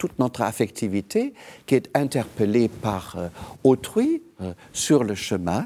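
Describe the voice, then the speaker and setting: A man with a German accent and a dark, mellow tone at medium pitch speaks at a very slow pace in a very clean recording with a silent background. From Germany, Cologne. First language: German (speaking French). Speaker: Jesuit theology professor. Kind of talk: interview.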